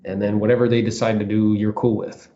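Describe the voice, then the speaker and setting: A man with a fairly low voice hosts a casual interview, building his questions slowly with plenty of likes and ums. The sound is dull and lo-fi. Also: little pitch movement, dark tone. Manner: thinks aloud with many fillers, like and kind of. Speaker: podcast host.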